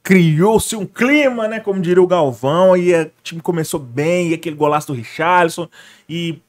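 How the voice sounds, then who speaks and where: A man from Brazil co-hosting a casual podcast, chatting in a relaxed, slangy way with jokey interjections. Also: on the high side, moderate pace.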